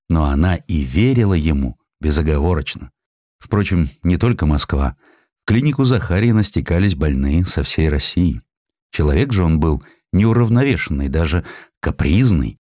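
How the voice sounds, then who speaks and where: A man with a very deep voice narrates a literary historical tale. His delivery is theatrical and expressive, with wide swings of intonation. The sound is dry, with hardly any room in it. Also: no echo. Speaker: audiobook narrator.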